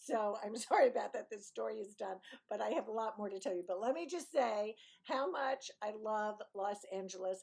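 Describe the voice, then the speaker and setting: Speaking at a moderate pace with a New York accent, a woman uses a fairly high pitch and ordinary pitch variation. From Brooklyn, New York. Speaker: YouTuber telling personal stories. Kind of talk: personal storytelling to camera. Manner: chatty, off the cuff.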